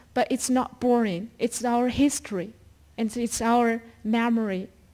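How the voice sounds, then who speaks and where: A woman with a Chinese accent speaks very slowly in a high voice with ordinary pitch variation, on a very clean recording with a silent background. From China. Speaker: student. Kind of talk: conference speech.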